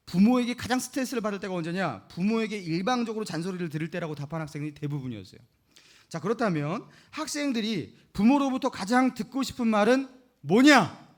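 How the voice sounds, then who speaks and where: Animated high-voiced male pastor preaching. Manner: emphatic preaching with calls to repeat after him; acts out scolding parents in a raised voice. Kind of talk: sermon. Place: church sanctuary.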